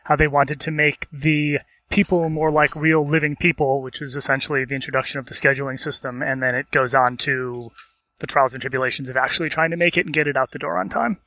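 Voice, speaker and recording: A man's voice: fairly high pitch, steady tone, fairly quick, pushed and bright, no room sound. A man explaining things as a panelist in a casual podcast discussion. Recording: dull, lo-fi, dry voice track.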